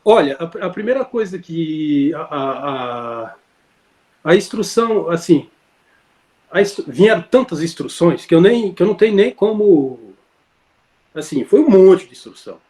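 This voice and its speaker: A man's voice: on the high side, expressive, measured pace, a little mellow. A man telling a personal story in casual conversation, rambling with many fillers and self-corrections, heard over a video call. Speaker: interview guest.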